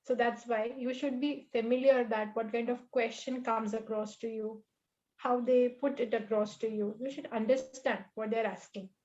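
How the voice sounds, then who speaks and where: A woman's voice: on the high side, steady tone, normal speed, darkish tone, muffled recording. A woman with an Indian English accent, a native Marathi speaker, running a job interview over a video call in a firm, coaching manner. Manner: firm, coaching, lecturing tone with repeated checks.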